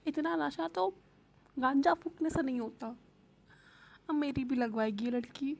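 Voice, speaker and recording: A woman voicing a flustered young woman student who explains things in a hurried, nervous way. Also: high-pitched, vocal fry.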